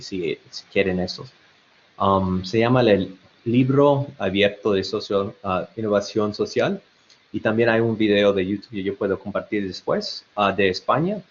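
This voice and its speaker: A man's voice: lowish voice, a little hiss or hum. A man with an American-tinged Spanish accent giving an online webinar presentation, hesitant with many fillers and restarts. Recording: dull lo-fi web call audio.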